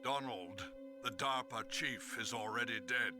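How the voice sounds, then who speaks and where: An actor playing a cold, scheming government official in a video game, measured and condescending. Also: male voice, mid-range voice, music in the background, close to an everyday voice. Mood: smug, calm. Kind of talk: dramatic video game voice acting.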